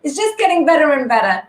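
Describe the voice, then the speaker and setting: A woman chatting casually in a chatty, upbeat way as a guest contributor. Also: sits high. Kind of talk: casual chat. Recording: echoey room with faint background noise.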